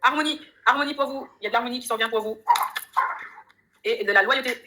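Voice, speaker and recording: A fast-talking woman reads tarot cards live from her home and talks straight to her viewers. Her voice is bright and a little high, and she keeps the tone chatty and upbeat. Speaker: tarot reader on a live stream. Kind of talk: live tarot reading chat.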